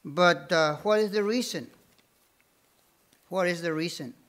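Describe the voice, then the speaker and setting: Slow, high-voiced preacher. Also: male voice, a bit bright. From Bolivia. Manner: slow, emphatic preaching with repeated phrases. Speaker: missionary preacher. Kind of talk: sermon.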